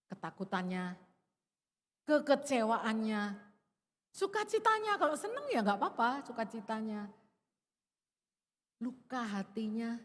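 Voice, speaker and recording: A middle-aged woman preaching a sermon in a conversational, expressive way, often dropping to a soft emphasis. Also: fairly high pitch, long reverb tail. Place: large church hall.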